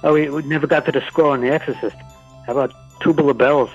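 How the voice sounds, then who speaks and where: A man's voice: a little high, steady tone, quick pace, creaky, darkish tone, slightly rough, muffled recording, faint music behind. A man co-hosting a podcast who throws in dry, sarcastic comments during casual chat. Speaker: podcast co-host.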